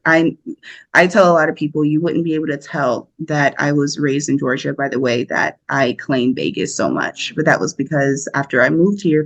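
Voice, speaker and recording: A woman's voice: low voice, gravelly, dull audio. A young woman from the United States, an actor guesting on a podcast, talking casually and animatedly with frequent laughs and fillers. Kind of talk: casual interview chat.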